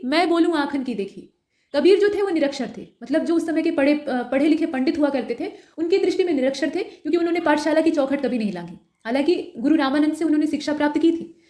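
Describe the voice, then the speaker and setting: A woman teaching an exam-prep lesson who explains step by step, asking questions and answering them herself, and reads example sentences slowly and deliberately. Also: sits high, darkish tone.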